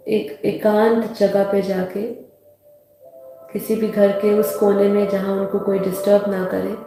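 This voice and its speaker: A woman with an Indian accent guiding a meditation, unhurried and soothing, repeating phrases as she gives instructions. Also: mid-range voice. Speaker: meditation guide. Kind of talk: slow guided meditation instruction. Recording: heavily echoing voice over soft music.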